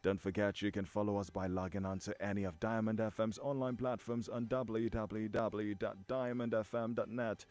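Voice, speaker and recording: A man's voice: on the low side, level tone, moderate pace, few pauses, darkish tone. A man with a Nigerian accent reading headlines and presenting on the radio as a host. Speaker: newsreader and radio show host. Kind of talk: scripted radio news bulletin and presenting.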